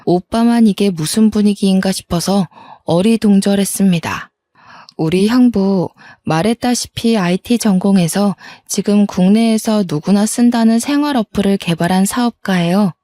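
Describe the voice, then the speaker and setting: Mellow woman narrating a story. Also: mid-range voice, moderate pace, no echo. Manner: dramatic first-person retelling.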